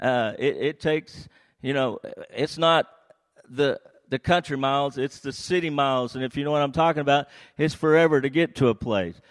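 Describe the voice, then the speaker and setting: With a quiet background, a man in an ordinary speaking voice talks at a moderate pace, his fairly high pitch showing ordinary variation. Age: 60s. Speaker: pastor. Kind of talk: sermon.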